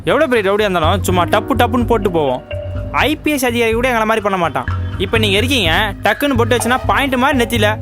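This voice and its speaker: An actor playing a brash, hot-headed young gangster in a film, talking in cocky colloquial slang. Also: male voice, high voice, animated, racing. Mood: cocky, agitated. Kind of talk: film dialogue acting. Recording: film soundtrack with loud music.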